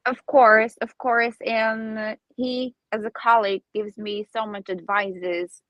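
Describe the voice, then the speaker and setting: A woman in her twenties from Armenia, a native Armenian speaker, answering interview questions in halting English and searching for words. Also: fairly high pitch, little pitch movement, no echo, lo-fi sound. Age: 20s. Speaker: singer guest.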